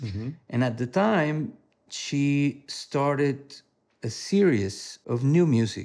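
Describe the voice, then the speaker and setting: In a Spanish accent, a man with a fairly high pitch talks very slowly with lively intonation on a very clean recording with a silent background. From Venezuela. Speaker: sound artist and festival director. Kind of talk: interview conversation.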